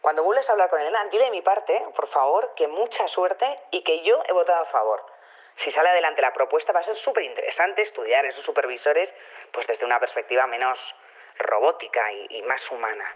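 A woman's voice: low voice, lively intonation, fairly quick. An actress playing an opinionated, chatty woman in charge of a community, talking emphatically and repeating herself over a telephone in an audio drama. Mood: pleased, chatty. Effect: telephone filter. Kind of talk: improvised-sounding phone interview in audio drama. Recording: thin phone-line sound.

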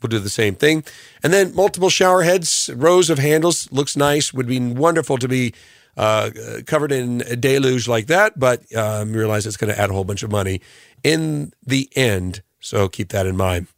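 A man hosting a morning radio show, his voice hoarse from allergies, rambling through tips with lots of ums and uhs. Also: medium pitch, moderate pace, dry recording, clean studio sound. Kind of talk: radio show recap, casual talk. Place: radio studio.

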